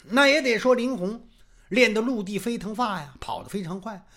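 A male storyteller narrating in a traditional style, animated and emphatic with drawn-out phrases. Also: high voice.

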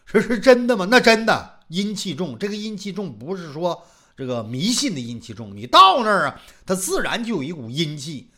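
Animated storyteller, man. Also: high-pitched, normal speed. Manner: animated, dramatic, voices every character. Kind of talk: traditional Chinese oral storytelling.

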